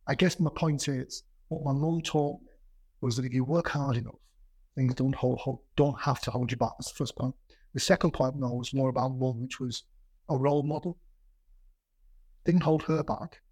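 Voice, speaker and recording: Husky middle-aged man with a stammer. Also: mid-range voice, darkish tone, no room sound. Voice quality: stammer, repeating sounds and words. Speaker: business executive being interviewed. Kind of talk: reflective conversational interview with anecdotes.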